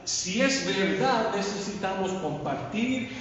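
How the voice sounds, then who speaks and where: A man preaching a sermon in halting Spanish as a second language, with English fillers slipping in, in a church sanctuary. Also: sits high, animated, fairly bright tone, a little hiss or hum. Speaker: pastor. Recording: echoey, distant, muffled church livestream.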